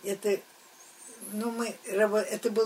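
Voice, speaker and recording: Very slow, medium-pitched speech from a woman with noticeable background noise. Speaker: memoirist, writer's daughter. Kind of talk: interview reminiscence.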